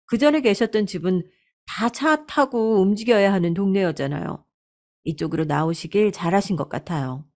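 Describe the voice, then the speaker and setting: A woman's voice: medium pitch, normal speed, darkish tone, lightly acted. A woman voicing a pushy, scheming daughter-in-law. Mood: coaxing. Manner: persuasive, pushy, sweetly insistent.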